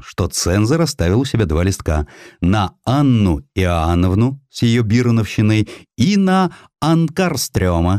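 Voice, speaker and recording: A man narrating a historical tale from a script in an expressive, theatrical storytelling manner. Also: on the low side, no room sound, studio quality. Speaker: audiobook narrator.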